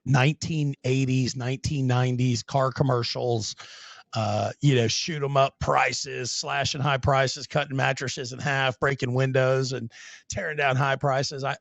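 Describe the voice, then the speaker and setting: A man in his thirties hosting a podcast, upbeat and chatty, talking into a close boom mic in a small home studio. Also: creaky, no echo. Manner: upbeat, chatty, calls the guest man and bro. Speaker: podcast host. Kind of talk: casual interview chat. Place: small home studio with brick wall and colored lights. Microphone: boom mic close up, wearing headphones. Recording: dull, dry, lo-fi sound.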